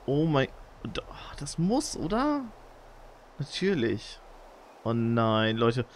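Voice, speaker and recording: A young man doing live, excitable commentary on his own gameplay, talking straight to his viewers. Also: slight background noise. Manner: excitable, talks to viewers, jumps into high squeals when excited. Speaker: let's play gamer.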